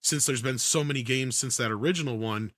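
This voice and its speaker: Arguing his case at length, a man on an entertainment news talk show panel offers casual, opinionated takes on movies. He talks a little fast in a medium-pitched, slightly bright voice, with studio-quality sound and no echo.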